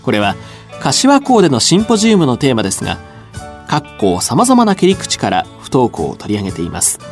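Lively-pitched male radio announcer. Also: soft background music. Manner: clear measured reading, repeats dates.

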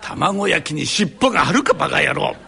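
A man's voice: on the high side, animated, bright, forceful tone, pitched below the performer's own voice, heavily acted. A man doing a grumbling old-Tokyo tenant. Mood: chatty. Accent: old Tokyo downtown. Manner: grumbling, rough, quick retorts. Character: grumbling poor male tenant, rough-spoken. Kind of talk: live rakugo storytelling. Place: live performance hall.

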